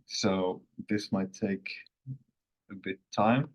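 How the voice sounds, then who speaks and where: A man who is a native Finnish speaker, hosting a casual online language lesson in an unhurried, rambling way with self-corrections. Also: low-pitched, steady tone. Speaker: language course host.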